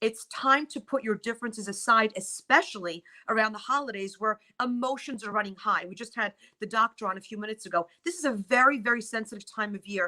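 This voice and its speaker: A woman's bright, sharp voice at a very fast pace, with big swings in loudness, ordinary pitch variation, and a dry, close sound with no echo. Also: fairly high pitch for a woman. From Poland, then US from age seven. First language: Polish. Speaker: divorce lawyer. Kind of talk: TV interview.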